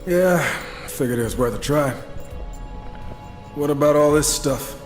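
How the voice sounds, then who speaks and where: Guy doing a smartass gunslinger, sarcastic n lively, highish voice, video game w reverb. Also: unhurried, close to an everyday voice. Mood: wry. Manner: casual, dry sarcasm. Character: wisecracking, cocky male gunslinger horseman, irreverent and sardonic. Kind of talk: video game cutscene acting. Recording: long reverb with faint music.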